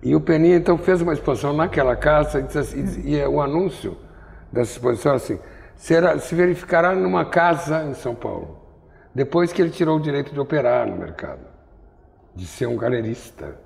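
A man's voice: on the high side, lively intonation, fast talker, creaky, a little mellow, big-room sound. An older man from Brazil interviewing in an artist's studio on a lapel mic, telling wry, digressive stories. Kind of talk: rambling conversational interview.

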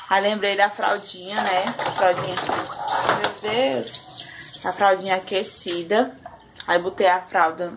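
Mãe brasileira cansada, papo de vlog. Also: female voice, medium pitch, background noise. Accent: Brazilian. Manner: chatty, sighing, with frequent "ai" and "né". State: tired after a sleepless night. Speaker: vlogger and mother. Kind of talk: casual home vlog. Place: at home.

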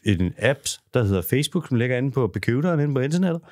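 A man's voice: mid-range voice, expressive, darkish tone, no echo. A man co-hosting a podcast in casual chat, rambling with fillers and restarts on a studio microphone. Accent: Danish. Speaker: podcast co-host.

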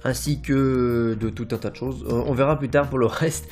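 A man's voice: medium pitch, steady tone, moderate pace, darkish tone. A young man narrates a Minecraft building tutorial in a casual, rambling, playful way, full of fillers and little "hop" sounds. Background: faint background music.

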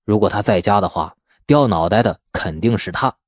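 A man's voice: fairly low pitch, normal speed, no room sound, clean studio sound, lightly acted. A man voicing a knowing, guarded male villager in an audiobook, explaining things in an insinuating way.

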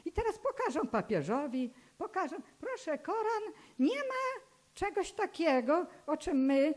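An elderly woman from Poland, in her eighties, giving an earnest, admonishing public talk as a Catholic nun, in a deliberate way that repeats phrases. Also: very high-pitched, very animated, a little mellow. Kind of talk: public talk, personal testimony. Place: indoor hall with stage and seated audience. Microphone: microphone on a stand, close to the mouth.

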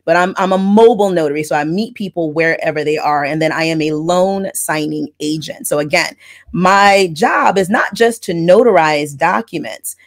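Woman, middle-aged, low-ish voice, wordy and chatty, earbud mic, video call from a home office. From from Florida, raised in Texas. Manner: wordy, chatty, explains in detail. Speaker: mobile notary loan signing agent and channel host. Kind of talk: casual interview storytelling. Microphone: earbud headset on a video call.

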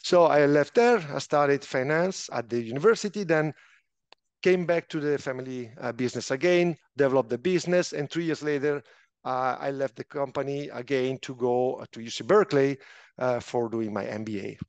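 A man's voice: mid-range voice, moderate pace, clean tone, dry recording. Middle-aged Swiss man with an Italian accent. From Italian-speaking Switzerland. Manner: animated, slightly imperfect English, frequent restarts. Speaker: guest, finance official. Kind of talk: interview storytelling.

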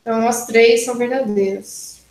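A woman's voice: on the high side, fairly even intonation, moderate pace, darkish tone, roomy sound, rough recording. A woman university lecturer teaching an online class, working through exercises step by step and checking in with students often. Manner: explains step by step, frequent "né?" and "tá?" checks.

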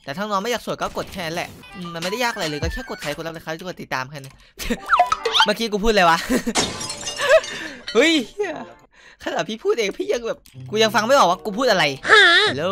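A young man doing casual gameplay commentary, loud and crude, with excitable trash talk aimed at other players. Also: high voice. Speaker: gaming YouTuber. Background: loud game music.

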